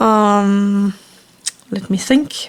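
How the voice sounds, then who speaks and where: A woman mumbles at a fairly high pitch. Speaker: drawing tutorial creator. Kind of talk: tutorial. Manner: mumbling; hesitant, many fillers.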